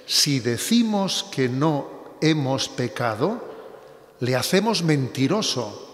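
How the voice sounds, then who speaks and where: A man's voice: medium pitch, very animated, takes it slowly. A middle-aged bishop giving a conversational spiritual reflection, often tagging his sentences with little questions. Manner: conversational preaching with frequent tag questions. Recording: reverberant hall.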